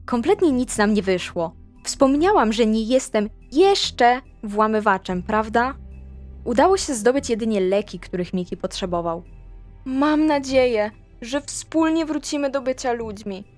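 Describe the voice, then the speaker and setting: A woman's voice: on the high side, expressive, measured pace, a little mellow, soft background music. A woman recapping a tabletop game season in character, confiding and speaking straight to the listener.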